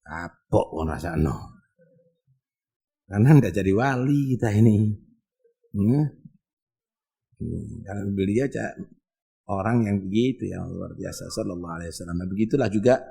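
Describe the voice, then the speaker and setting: A male preacher giving an animated Indonesian sermon, swinging from loud exclamations to quiet asides. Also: low-pitched, moderate pace, gravelly, pauses often, slightly rough.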